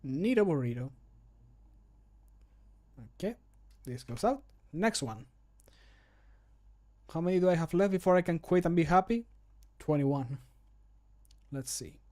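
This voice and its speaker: At home, a man in his thirties who streams and does amateur voice acting chats casually and self-deprecatingly while he works, muttering to himself into a close desk microphone indoors. His voice is on the high side, darkish and expressive, unhurried with frequent pauses.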